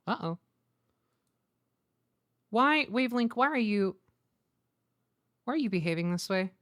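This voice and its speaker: A woman streamer and host chats casually and informally with viewers on a close mic, often thinking aloud. Her voice sits on the high side, fairly bright and expressive, and she takes her time.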